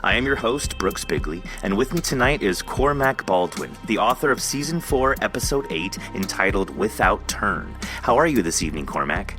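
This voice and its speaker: A man's voice: lowish voice, very animated, moderate pace, hardly any pauses, over music. A man hosting a podcast in a casual, informal interview style with an enthusiastic manner. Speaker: podcast host.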